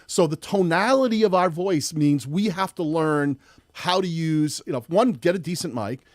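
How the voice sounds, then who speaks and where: Man, loud voice, slightly high pitch, dry close sound, rambling live-stream host. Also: normal speed, no echo. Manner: rambling, many restarts. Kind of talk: live-streamed tutorial chat.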